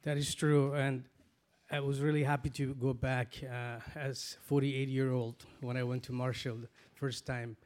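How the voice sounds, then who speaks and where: Earnest halting man in his forties. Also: medium pitch, level tone, a little mellow. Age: 40s. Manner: earnest, halting, many restarts. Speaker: guest. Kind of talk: panel discussion.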